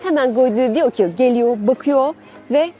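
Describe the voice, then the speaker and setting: Woman, travel show host, enthusiastic tour guiding, outdoors, slightly high pitch. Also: moderate pace, warm tone, faint music behind. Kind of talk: travel show presenting, part narration. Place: outdoors in a city park.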